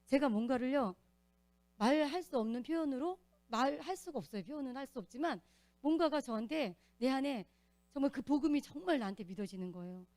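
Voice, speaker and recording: A woman giving an earnest, animated testimony as a church deacon, telling her story in a church. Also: high voice, a little fast, no room sound.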